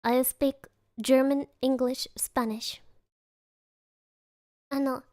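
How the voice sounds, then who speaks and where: High-pitched unhurried streamer woman, dry close mic. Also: level tone, no room sound. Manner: playful teasing, soft laughs, Japanese fillers. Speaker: VTuber streamer. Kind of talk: casual chat reading viewer messages.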